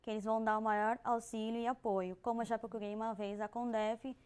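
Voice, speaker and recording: A woman's voice: fairly high pitch, little pitch movement, darkish tone, clean tone. A young deaf woman with a Brazilian Portuguese accent, a guest on a TV talk show, explaining carefully. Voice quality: deaf speaker who lip-reads. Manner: measured, explains carefully with some restarts. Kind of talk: studio talk show interview.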